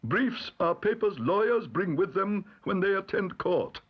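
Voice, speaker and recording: A pompous, flustered old judge, put on by a man reading a storybook aloud. He talks up high and slow, husky and exclaiming. The recording is dull and lo-fi. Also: very animated, heavily acted.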